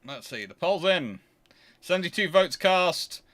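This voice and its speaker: A man's voice: sits high, animated, fairly bright tone. British man, rambling livestream host. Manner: rambling, halting, repeats and rephrases himself. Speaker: livestream host answering audience questions. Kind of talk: casual Q&A livestream chat.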